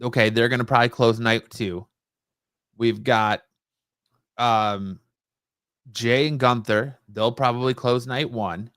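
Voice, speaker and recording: A man's voice: mid-range voice, fairly even intonation, slow pace, long pauses, fairly bright tone, clean tone, no room sound. A man co-hosting a podcast in a casual sports discussion. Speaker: wrestling podcast co-host.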